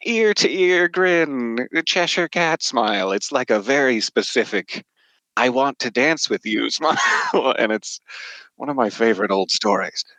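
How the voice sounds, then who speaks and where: A man's voice: medium pitch, animated, a little slow, bright, forceful tone, dry recording. A man chatting casually as a podcast guest, reflective and given to wry asides. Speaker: podcast guest, horror narrator and voice actor. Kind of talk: casual interview chat.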